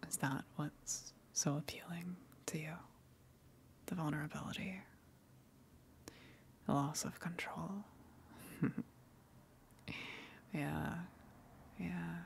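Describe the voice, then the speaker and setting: A woman voicing a friendly eldritch monster in an ASMR roleplay, in a breathy whisper with a halting, coy, gently teasing manner. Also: deep voice, steady tone, a little hiss or hum, full character voice. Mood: teasing, dominant.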